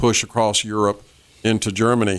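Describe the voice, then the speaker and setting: A man in a normal speaking voice, fairly low-pitched, at a moderate pace. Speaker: radio host interviewer. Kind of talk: radio interview. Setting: radio studio.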